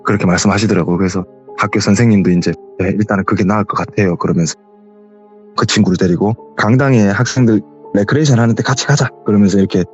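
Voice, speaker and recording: A man's voice: fairly low pitch, fast talker, highs cut off, faint music behind. A young man with a heavy regional dialect tells a true ghost story as a guest, acting out the quoted voices.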